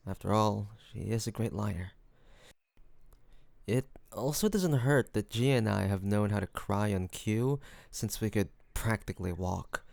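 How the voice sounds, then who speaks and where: A man playing a charming, hospitable mafia boss in an intimate audio roleplay, talking in a relaxed, playful, teasing way to one listener. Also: fairly low pitch, gravelly, no echo. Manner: relaxed, playful storytelling with frequent soft chuckles.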